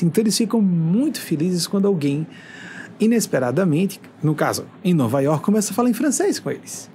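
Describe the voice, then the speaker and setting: His voice is high, and a little hiss or hum runs under the recording. He's a man in his forties from northeastern Brazil, a spiritual speaker chatting with his viewers in monologue form and animating his stories by acting out quoted dialogue.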